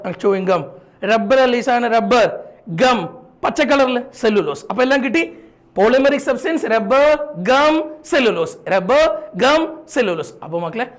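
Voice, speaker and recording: A man teaching an exam-prep lesson, spinning silly mnemonic stories and calling his students "children". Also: high voice. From Kerala, India. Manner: chatty storyteller, calls students "children" affectionately.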